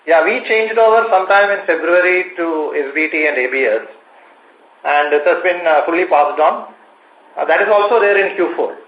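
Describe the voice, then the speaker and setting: An Indian-accented man gives an executive's answers on an earnings call. His voice sits a little high and his phrasing is hesitant, with repeated words. The call sounds roomy and echoing. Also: moderate pace, phone-quality sound.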